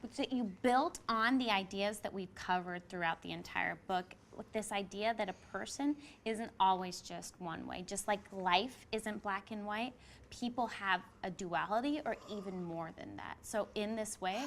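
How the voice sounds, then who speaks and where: A woman teacher speaks to her students in a bright, crisp voice. She leads the discussion and reads the novel aloud with clear, expressive delivery. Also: mid-range voice, a little hiss or hum. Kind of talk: classroom read-aloud and discussion.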